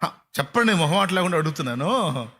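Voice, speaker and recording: Guy preaching at a night prayer, bit high voice, keeps asking the crowd stuff. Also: lively intonation, fairly bright tone. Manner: rhetorical questions, chants verses slowly. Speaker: pastor. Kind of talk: sermon. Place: church hall at an all-night prayer.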